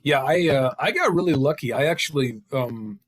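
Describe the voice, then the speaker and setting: A middle-aged man chatting casually on a video call, often pausing partway through his sentences. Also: mid-range voice, no room sound. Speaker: table read participant. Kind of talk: casual chat.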